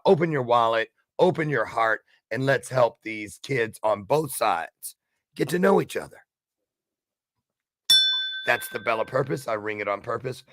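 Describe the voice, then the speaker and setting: A man's voice: fairly low pitch, no echo, clean studio sound. A man hosting a casual online talk show, chatty and upbeat with a playful, showman-like way of talking.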